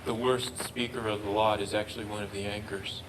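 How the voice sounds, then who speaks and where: A man presenting research and answering questions, halting and often repeating words. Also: on the low side, flat delivery. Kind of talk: research talk Q&A. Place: lecture room. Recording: noisy room recording.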